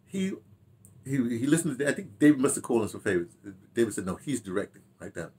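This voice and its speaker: An American man in his seventies reminiscing casually to camera in an animated, rambling way, with repeated phrases and asides. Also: medium pitch, fast talker. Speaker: audio dramatist and theater director telling his memoirs. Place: small home study, indoors.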